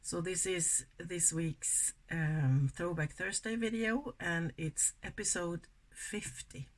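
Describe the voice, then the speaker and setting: Slow and fairly low-pitched, a woman from Sweden in her sixties chats through a makeup tutorial with a Swedish accent, soft-spoken and a little rambling. She's a beauty vlogger, and slight background noise can be heard.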